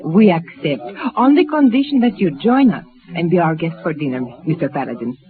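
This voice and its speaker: A woman's voice: lowish voice, lively intonation, fairly quick, close to an everyday voice. An actress playing a gracious, refined Hispanic lady with formal, courteous speech in a 1950s radio western. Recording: tinny old radio broadcast.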